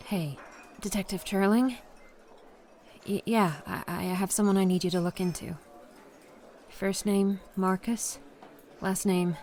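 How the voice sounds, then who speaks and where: Woman acting protective female friend, reassuring, quietly suspicious, medium pitch, audio drama. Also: fairly even intonation, measured pace, long pauses, natural voice. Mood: businesslike.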